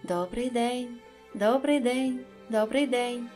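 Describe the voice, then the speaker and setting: A woman voicing a mountain echo in an audiobook, repeating words in slow, drawn-out calls. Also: fairly high pitch, expressive, mellow, soft background music, voice pushed up. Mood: hollow. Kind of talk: audiobook reading.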